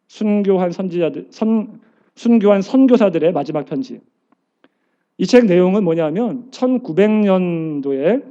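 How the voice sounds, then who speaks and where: A man's voice: high voice, mellow, dull audio. A male pastor preaching a sermon, telling stories and building to earnest appeals to the congregation. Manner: storytelling preacher, rises to fervent appeals.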